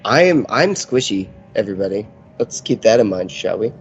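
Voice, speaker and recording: A man banters as a player at a tabletop game, his pitch swinging widely, swearing in mock exasperation. The sound is a bit dull, with music underneath. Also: big pitch swings, moderate pace.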